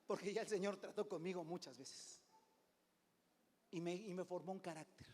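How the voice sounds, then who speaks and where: A middle-aged man preaching as a pastor, conversational, often calling "hermano", swinging between loud and hushed. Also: sits high, steady tone, normal speed. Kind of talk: sermon. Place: church sanctuary. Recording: long hall reverb.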